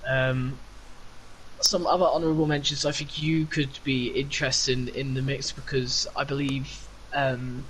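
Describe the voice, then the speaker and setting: A man's voice: mid-range voice, level tone, measured pace, a bit bright, a little hiss or hum, low-quality recording. A man hosting a casual racing podcast, chatty and teasing, laughing often. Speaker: podcast host.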